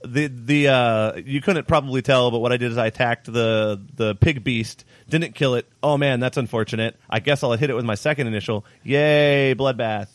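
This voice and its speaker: A man's voice: mid-range voice, moderate pace, few pauses, dry recording. A young man casually commentating his own tabletop battle, joking about his mistakes and laughing often. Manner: self-mocking, laughs often. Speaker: player narrating his own recorded game.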